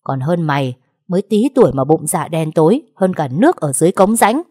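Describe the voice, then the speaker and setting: A spiteful middle-aged stepmother hurls shrill, scornful abuse in an audiobook story, voiced by a woman reader. The underlying voice sits low and dark, with a mellow tone. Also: expressive, brisk, no room sound, studio quality. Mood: furious. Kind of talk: audiobook narration.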